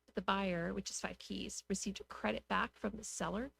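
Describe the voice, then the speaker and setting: A woman speaking as a city official, giving measured, matter-of-fact explanations at a public meeting. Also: medium pitch, steady tone, fairly bright tone, no room sound. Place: council meeting room. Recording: clear background noise and hum.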